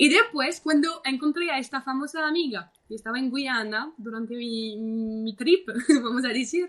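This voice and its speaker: A high-pitched woman's voice with a French accent, at a fairly slow pace. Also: ordinary pitch variation. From France, Alsace region. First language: French (speaking Spanish). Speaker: journalist and podcast producer. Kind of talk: interview conversation. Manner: halting.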